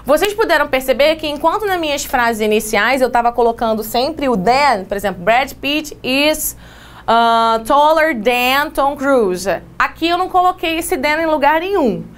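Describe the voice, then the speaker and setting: Woman, Brazilian Portuguese accent, English teacher, high voice, step-by-step explaining. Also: expressive, normal speed. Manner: explains step by step, lots of checks like "beleza?" and "ó". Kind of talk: exam-prep lesson.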